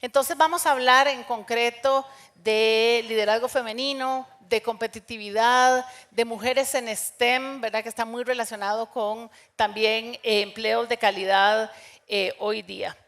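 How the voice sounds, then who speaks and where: A woman's voice: a little high, steady tone, measured pace, a bit bright. A woman moderating a live panel discussion, hesitant, with many fillers and restarts. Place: conference stage.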